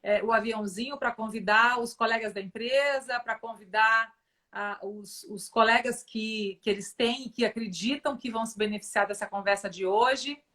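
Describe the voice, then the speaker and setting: Chatty woman, live stream host, slightly high voice, talks to viewers. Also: steady tone, moderate pace, bright, forceful tone. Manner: chatty, fillers like né, talks to audience. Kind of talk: casual live stream hosting.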